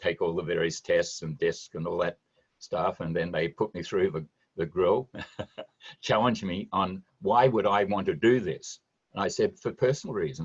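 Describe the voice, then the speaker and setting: A man with a non-native accent speaks at a moderate pace, the sound dry and close with no echo. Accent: non-American, foreign. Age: 80s+. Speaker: business coach, former corporate executive. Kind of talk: interview answer.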